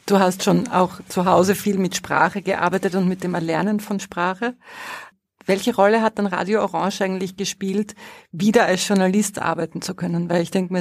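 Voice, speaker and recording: An interviewer with a gravelly, fry-tinged voice, recorded dry and close. The questions come at a measured, thoughtful pace and are framed carefully. There is no room echo. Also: mid-range voice. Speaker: podcast interviewer.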